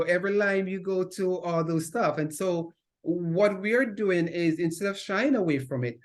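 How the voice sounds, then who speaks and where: A middle-aged Jamaican man being interviewed, his voice sitting a little high for a man. He speaks with a Jamaican accent and works through his points with hesitations and restarts. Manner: hesitant, many fillers and restarts. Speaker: conference director, guest. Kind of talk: interview conversation.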